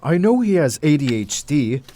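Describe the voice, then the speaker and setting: A man's voice: a little high, sing-song, moderate pace, mellow. A man playing a wistful, secretive doctor in an audio drama, theatrical and evasive, with an air of authority. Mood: composed.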